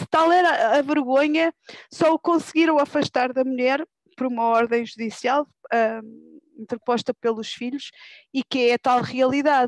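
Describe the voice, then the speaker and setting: At a moderate pace, a woman with a high pitch and a European Portuguese accent speaks with long, frequent pauses, in a dry, close sound with no echo. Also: ordinary pitch variation. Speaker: podcast host. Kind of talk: casual chat.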